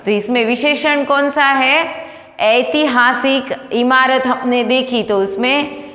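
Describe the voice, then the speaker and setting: A woman teacher gives a recorded lesson to young children, asking each question and then supplying the answer herself. Her fairly high voice moves at an unhurried pace. The room sounds echoey, with a long reverb trailing behind her. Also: fairly even intonation, a bit bright. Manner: slow, patient, asks questions and answers them herself. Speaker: primary school Hindi teacher. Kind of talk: recorded online class lesson.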